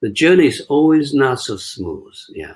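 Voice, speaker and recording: A man speaks with a Chinese accent. His pace is fairly slow. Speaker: qigong master and teacher. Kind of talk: Q&A in online class. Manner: halting.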